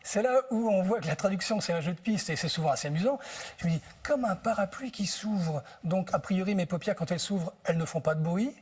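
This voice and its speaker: A man's voice: high voice, fast, darkish tone, breathy edge. A man being interviewed as a translator on TV, telling anecdotes in a thoughtful way and searching for words. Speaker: book translator, interview guest.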